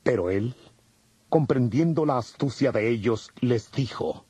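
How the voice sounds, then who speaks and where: A male narrator of a dramatized audio Bible reads with lively melody. His voice is dark and very husky, recorded dry. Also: medium pitch, a little slow, dry recording. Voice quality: husky, mellow. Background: music.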